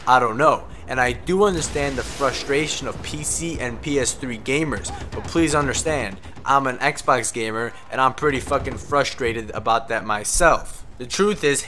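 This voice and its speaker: A man's voice: mid-range voice, moderate pace, hardly any pauses, pushed and bright, a little hiss or hum. A young man talking over gameplay footage as a game commentator, casual and frank, swearing when he gets frustrated. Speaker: gaming commentator.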